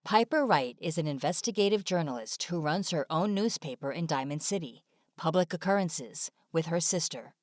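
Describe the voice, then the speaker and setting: Low-pitched woman narrator, very dry sound. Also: expressive, moderate pace, no echo. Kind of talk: scripted informational narration. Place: dry studio-like voice-over recording.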